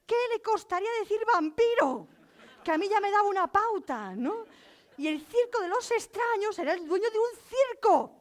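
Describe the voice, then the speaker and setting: Middle-aged woman storyteller, high, lively lecture delivery. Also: normal speed. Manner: animated, acts out voices in her anecdotes. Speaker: storyteller giving a talk. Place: lecture hall.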